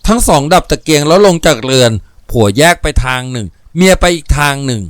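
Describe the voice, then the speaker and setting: Male storybook narrator, steady and unhurried; slightly high, dry read. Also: no room sound. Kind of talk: storybook reading.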